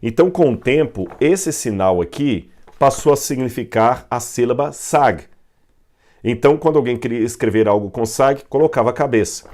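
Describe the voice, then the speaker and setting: A man's voice: mid-range voice, lively intonation, normal speed, a little mellow. A man with a Brazilian Portuguese accent teaching a Bible history lesson, explaining step by step with fillers and self-corrections. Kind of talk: explaining at a whiteboard.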